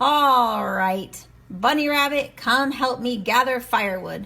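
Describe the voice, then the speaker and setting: A woman puts on a gruff character voice, pitched high and delivered at a fairly slow pace. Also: ordinary pitch variation. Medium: read story. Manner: snarling, gruff.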